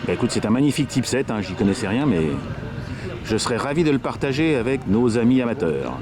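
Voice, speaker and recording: A man's voice: mid-range voice, very animated, brisk. An enthusiastic man conducts a casual interview outdoors. His mid-range voice moves up and down animatedly, with music playing behind him. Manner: enthusiastic, admiring. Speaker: interviewer filming a hobbyist video. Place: outdoors beside a model boating pond.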